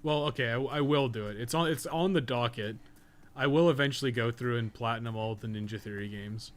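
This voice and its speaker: A man's voice: medium pitch, fairly quick. A man chatting casually on a live game stream, rambling through blunt opinions with plenty of swearing. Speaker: game streamer and podcast host.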